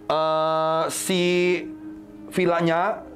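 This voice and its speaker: A man hosting a podcast, telling a story in casual chat and acting out his friends in sudden high voices. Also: extremely slow, soft background music. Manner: animated, jumps up high when acting out friends.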